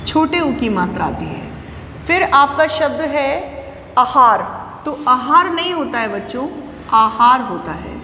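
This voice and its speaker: Speaking slowly, a woman with a high, sharp-toned voice and big pitch swings teaches children, explaining patiently, repeating words and answering the questions she poses. The room is echoey with long reverb and faint ambience, and there's slight background noise.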